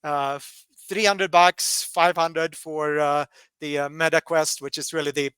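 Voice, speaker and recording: Guy from colorado giving a webinar, smooth clear voice, lots of uh and um, dry close mic. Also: fairly high pitch, steady tone, a bit bright, dry recording. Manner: halting, many fillers and restarts. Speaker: workshop presenter. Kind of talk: webinar presentation.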